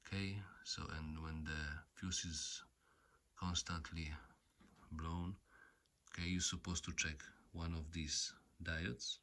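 A man who is not a native English speaker, giving an unscripted hands-on repair explanation in a halting, repetitive way, often saying okay. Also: low-pitched, flat delivery, bright, forceful tone. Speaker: repair tutorial host. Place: indoors at home.

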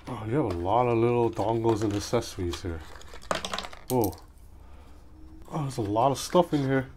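Guy doing a casual gadget unboxing, thinking out loud, medium pitch, bit of outside noise in the room. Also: moderate pace. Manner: informal, off-the-cuff, thinking aloud. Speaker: gadget reviewer. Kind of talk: casual unboxing vlog, hands-on commentary. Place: small room at home. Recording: clearly noisy small room with outside noise. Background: ambient street noise from outside.

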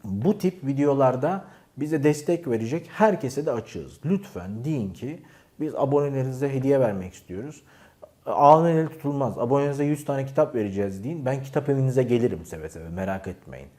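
Animated man giving teasing advice. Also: medium pitch, normal speed. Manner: lively, teasing, acts out examples. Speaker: self-improvement YouTuber.

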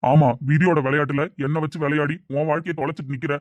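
A man's voice: fairly high pitch, level tone, quick pace, dry recording, natural voice. A man playing a grieving older father. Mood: sorrowful. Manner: earnest, heavy-hearted pleading. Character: grieving aging father, guilt-ridden and tender. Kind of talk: amateur family drama acting. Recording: dull lo-fi sound.

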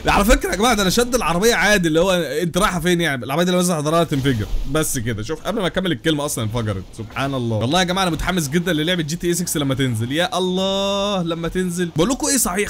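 Rapid excitable Egyptian young man. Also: high-pitched, a little hiss or hum. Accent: Egyptian Arabic. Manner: rapid, excitable, exclaiming and laughing, addressing viewers. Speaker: gaming YouTuber. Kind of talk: excited gameplay commentary.

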